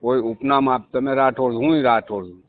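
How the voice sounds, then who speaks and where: A man calls in and presses his point again and again, insistent and emphatic. His voice sits at an ordinary middle pitch. It comes through a thin, tinny phone line. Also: fairly even intonation, moderate pace. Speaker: caller. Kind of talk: phone call. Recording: tinny phone call recording.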